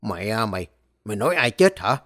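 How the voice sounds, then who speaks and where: A man voicing a hot-tempered older male landowner who scolds and shouts at a servant in a spoken story. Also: lowish voice, very animated, a little fast, voice pushed down. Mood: furious.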